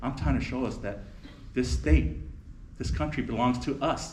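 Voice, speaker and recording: Audible room echo surrounds a man's fairly quick speech. His pitch variation is ordinary. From Arizona, Mesa area. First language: Spanish. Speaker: congressional candidate. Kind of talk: debate closing statement. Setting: stage with audience.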